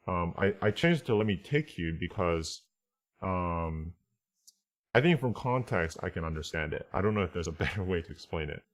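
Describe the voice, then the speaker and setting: In a casual online language lesson, a deep-voiced male teacher thinks aloud and keeps checking that his listeners are following along.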